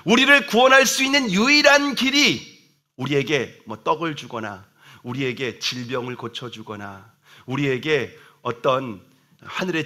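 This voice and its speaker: A man's voice: mid-range voice, bright, forceful tone. A man, the senior pastor, preaching a sermon to his congregation, emphatic and asking questions, acting out dialogue. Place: church sanctuary.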